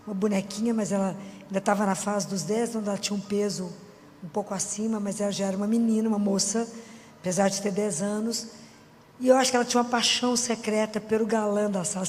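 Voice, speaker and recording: A woman's voice: medium pitch, steady tone, fast talker, a little mellow, a little hiss or hum. Chatty Minas Gerais woman preaching in a hall. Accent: Minas Gerais Brazilian Portuguese. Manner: chatty, keeps asking the audience for agreement. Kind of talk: conversational sermon. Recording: long hall reverb with faint music.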